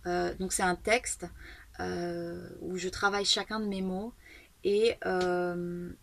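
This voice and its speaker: A woman in her thirties, an author talking through her writing in a casual, reflective monologue, pausing often with fillers and restarts. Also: lowish voice, level tone, vocal fry, dry recording. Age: 30s. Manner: thoughtful, hesitant, many fillers and restarts. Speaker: author and video blogger.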